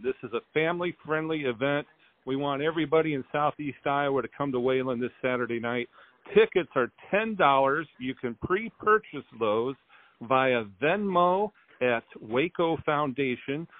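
A man of average pitch hosts a casual local radio interview. His voice comes through thin and narrow, like a telephone line. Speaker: radio and podcast host. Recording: tinny phone-like sound.

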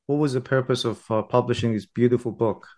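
A man's voice: mid-range voice, steady tone, fast, darkish tone. A man hosting an interview podcast, introducing and questioning guests. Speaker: podcast host.

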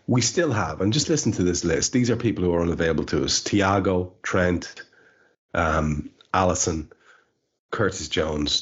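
Leading a laid-back podcast conversation, this host has a deep, slightly rough voice and keeps questioning his co-hosts. The recording sounds dull and lo-fi.

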